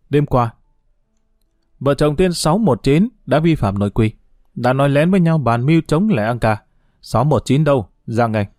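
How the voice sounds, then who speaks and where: A man reading an audiobook as narrator in a steady, somber manner, close to the mic. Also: mid-range voice, dry recording.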